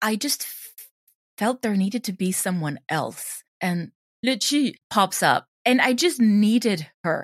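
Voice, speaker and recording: A woman speaks at a fairly slow pace with a Swedish accent, her fairly high pitch swinging very widely, in a dry, close recording with no echo. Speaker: drama teacher and audio drama creator. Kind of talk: interview. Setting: remote call from home.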